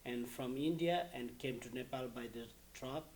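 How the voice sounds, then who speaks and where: A man from Bhutan, recounting his past in an interview in a measured way, listing details between "uh" and "um.". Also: medium pitch, a little mellow, a little hiss or hum. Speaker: refugee interviewee. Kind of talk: recorded interview testimony.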